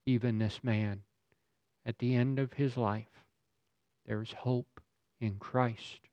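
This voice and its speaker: Man, preacher, sermon, dramatic emphatic delivery, rhetorical questions, very unhurried, dry close sound. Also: medium pitch, steady tone, dark tone, no room sound. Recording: slightly dull lo-fi recording.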